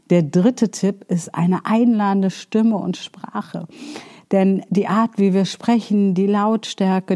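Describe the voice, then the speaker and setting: A woman's voice: fairly low pitch, dark tone. A woman giving spoken coaching advice, speaking earnestly and directly to the listener, asking rhetorical questions and using many fillers. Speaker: self-improvement coach.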